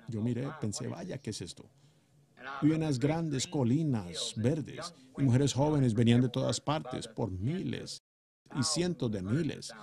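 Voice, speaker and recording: A man delivers a sermon with a dark, mellow voice. He preaches earnestly, rising to loud calls and then dropping to hushed storytelling. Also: mid-range voice, creaky.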